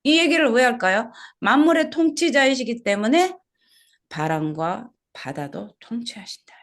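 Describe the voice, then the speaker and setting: Lively woman pastor preaching a sermon. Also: fairly high pitch, normal speed. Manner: asks the congregation questions and repeats key words. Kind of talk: expository sermon. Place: small church service.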